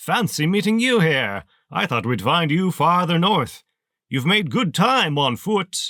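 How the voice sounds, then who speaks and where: A man's high-pitched, put-on character voice at a fairly slow pace, on a very clean recording with a silent background. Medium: read story. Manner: smug, mocking, menacing.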